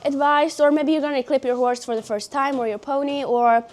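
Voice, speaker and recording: A woman's voice: high voice, fairly even intonation, fairly quick, background noise. A teenage girl from Norway with a Norwegian accent, chatting casually through a horse-care tutorial with many fillers. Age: teens. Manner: chatty, lots of fillers, self-conscious. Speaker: horse vlogger. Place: outdoors or stable with her horse.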